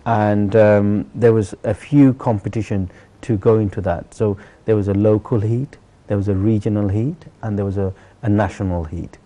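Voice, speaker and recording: A man's voice: fairly low pitch, steady tone, normal speed, few pauses, mellow. A middle-aged man from Bangladesh telling his own story earnestly as an interview guest, with emphatic, repetitive phrasing. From Sylhet, Bangladesh. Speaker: interview guest, celebrity chef. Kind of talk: conversational personal storytelling in an interview.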